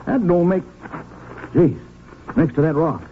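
A folksy small-town sheriff, plain-spoken and suspicious. His mid-pitched voice moves through wide swings of intonation. It is an old radio western, tinny and a little noisy. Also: lively intonation, measured pace. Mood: puzzled, musing. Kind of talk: 1950s radio western acting.

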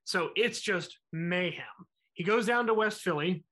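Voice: mid-range voice, measured pace, fairly bright tone. A podcast co-host telling a music history story in a casual, conversational way, acting out quotes and using fillers.

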